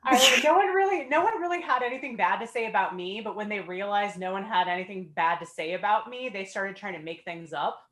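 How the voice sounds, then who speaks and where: A woman's voice: mid-range voice, brisk, few pauses, fairly bright tone. A woman telling anecdotes casually on a video call, informal and sweary, peppering her talk with "like". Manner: informal, sweary, heavy use of "like". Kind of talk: casual chat, recounting anecdotes. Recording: roomy, echoing video-call sound.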